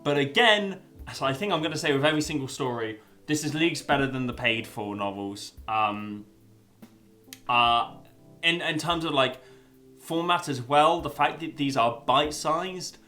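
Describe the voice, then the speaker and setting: Rambling young man, bright voice. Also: mid-range voice, normal speed, soft background music. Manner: rambling, full of fillers and restarts, swears. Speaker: video essayist reviewing a story. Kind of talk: casual spoken review.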